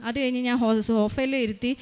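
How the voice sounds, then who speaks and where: A woman's voice: fairly high pitch, fairly even intonation, darkish tone, clean tone. A woman telling a personal testimony about her child, hurrying along with many fillers and restarts. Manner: hurried, with frequent fillers and restarts. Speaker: mother giving a testimony.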